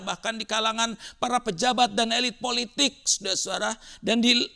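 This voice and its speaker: Bright-voiced man preaching, high and creaky. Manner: rhetorical, emphatic repetition with dramatic rises and drops in delivery. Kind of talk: sermon.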